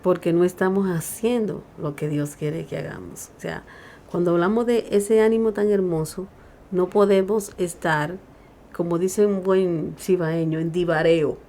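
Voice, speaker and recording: A woman's voice: lowish voice, steady tone, measured pace, dark tone, a little hiss or hum. A woman co-hosting a Christian radio talk show, preaching emphatically and raising her voice when she quotes scripture.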